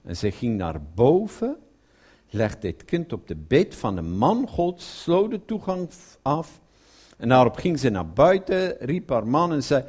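Guy preaching, voice goes up and down a lot, murmurs the quotes, asks the crowd stuff. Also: a little mellow. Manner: drops to a low murmur for quoted speech, asks the audience questions. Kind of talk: sermon retelling a Bible story.

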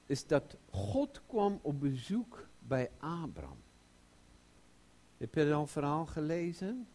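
A man preaching a sermon, slow and emphatic, rising loud and high when he quotes scripture. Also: big pitch swings.

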